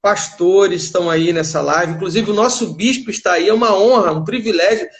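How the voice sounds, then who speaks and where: A middle-aged man with a rather high voice, hosting a church live stream. He is affirming and earnest, and often echoes back what his guest says, all over a video call. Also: brisk, a crowd in the background. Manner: affirming, repeats back key points. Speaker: pastor, live-stream host.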